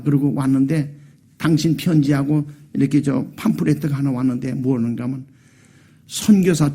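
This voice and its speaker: High-voiced Korean man preaching a sermon. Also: dark tone, slightly rough. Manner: storytelling with acted-out quotes, rising to emphatic exhortation. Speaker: pastor. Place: church sanctuary.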